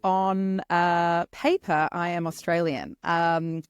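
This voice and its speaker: A woman in her forties with a New Zealand accent, a podcast guest telling her story in a candid, lively way. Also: lowish voice, slow, clean tone, no room sound, clean studio sound. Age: 40s. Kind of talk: podcast interview.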